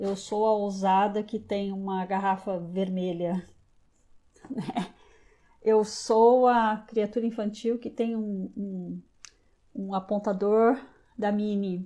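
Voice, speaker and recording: This woman talks at a very slow pace, leaving long, frequent pauses. Her medium-pitched voice has a dark, mellow tone and monotone, flat intonation. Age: 50s. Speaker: psychologist. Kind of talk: live stream reflection. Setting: live video stream. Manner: halting.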